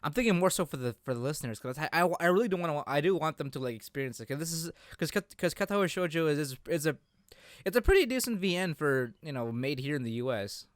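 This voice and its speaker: Clear-voiced man chatting casually. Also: on the high side, expressive, no echo, clean studio sound. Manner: halting, repeats and rephrases himself. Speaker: podcast host. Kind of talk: casual chat about visual novel games.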